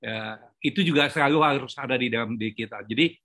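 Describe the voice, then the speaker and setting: A man takes his turn in a panel discussion. He speaks in a lecturing tone and mixes in English terms. His voice is bright and forceful. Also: mid-range voice, fast. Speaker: panel participant. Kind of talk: discussion talk.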